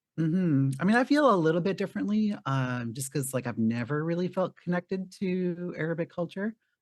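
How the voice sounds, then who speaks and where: In a Canadian accent, the speaker moves at a fairly quick pace with hardly any pauses. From Canada. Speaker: podcast host. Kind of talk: casual chat.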